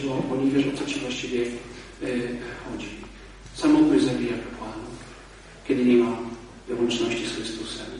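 A man, a priest and exorcist, giving a lively, conversational talk to a church audience, shifting between loud emphasis and low asides. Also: a little hiss or hum. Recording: echoey hall, mic far off.

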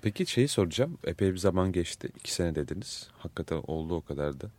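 A man's voice: low voice, expressive, quick pace, darkish tone. A man hosting a radio interview, asking thoughtful, probing questions. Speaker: radio host. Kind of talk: casual interview.

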